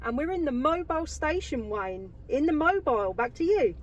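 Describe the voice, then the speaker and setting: A woman's voice: high voice, big pitch swings, normal speed. An enthusiastic woman, making radio contact as a CB operator from inside a car. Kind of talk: radio contact chat with call signs.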